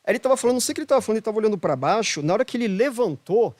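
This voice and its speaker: A man with a Brazilian Portuguese accent tells a story as a guest in a casual podcast chat. His voice sits fairly high, and he leans on emphatic repetition to drive his points home. The sound is dry and close, with no room around it. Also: expressive, rapid-fire, a little mellow, no echo. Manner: emphatic, repeats phrases for emphasis. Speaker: podcast guest, holistic therapist.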